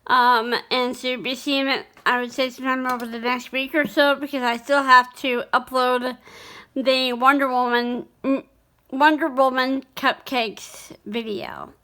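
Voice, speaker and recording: Bright high-voiced woman vlogging casually. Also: fairly even intonation, a little slow. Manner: rambling, many fillers and restarts. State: hiccuping. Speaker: cooking channel host. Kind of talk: casual vlog chat.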